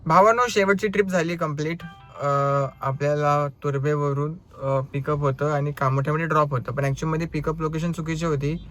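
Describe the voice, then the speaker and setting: A young man with a Marathi accent, telling the story of his driving trips in a casual vlog with lively, animated delivery. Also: on the high side, brisk, faint music behind. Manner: animated storytelling, acts out quoted customers. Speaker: ride-hailing driver vlogger.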